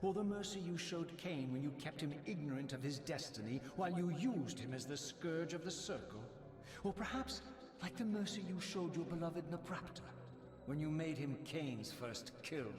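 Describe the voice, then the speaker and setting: An actor playing an eloquent, bitterly accusing undead wraith in a video game, with formal, theatrical, deliberate diction. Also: male voice, on the high side, expressive, close to an everyday voice. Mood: cutting, scornful. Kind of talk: dramatic video game narration and dialogue. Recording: music behind the voice.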